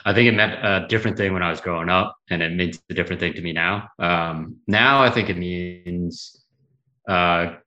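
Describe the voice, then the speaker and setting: A man in his thirties from Massachusetts, a guest answering thoughtfully with many pauses and fillers. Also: low voice, sharp tone, lo-fi sound. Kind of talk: conversational interview.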